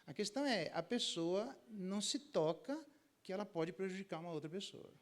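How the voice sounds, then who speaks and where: A man's voice: high voice, normal speed. A middle-aged Brazilian man, a pastor, teaching a Bible lesson with anecdotes and acting out the dialogue himself. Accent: Brazilian Portuguese. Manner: lively storyteller, acts out dialogue in raised voices.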